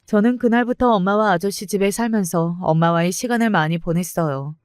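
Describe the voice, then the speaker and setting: Woman storyteller, steady scripted narration, smooth and dry. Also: mid-range voice, a little fast, no room sound.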